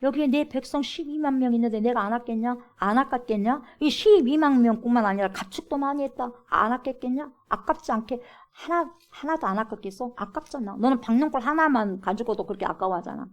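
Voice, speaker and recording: A woman's voice: a little high, brisk, hardly any pauses, close to an everyday voice. A woman preacher speaking as God, a stern father who questions a sulking prophet. The scolding comes as pointed rhetorical questions in a sermon retelling. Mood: reproachful.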